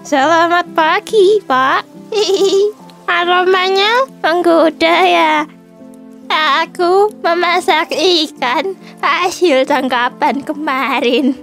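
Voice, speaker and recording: A gentle old fisherman's wife. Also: very high voice, extremely slow, vocal fry, faint music behind, exaggerated voice. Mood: caring.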